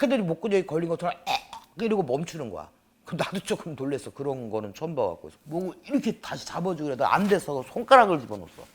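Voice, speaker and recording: A man recounting a true exorcism experience, acting out the dialogue and dropping to hushed tones at tense moments. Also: on the high side. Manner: animated, acts out dialogue, drops to hushed tones. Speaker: exorcist storyteller. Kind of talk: recounting a true horror story. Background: background music.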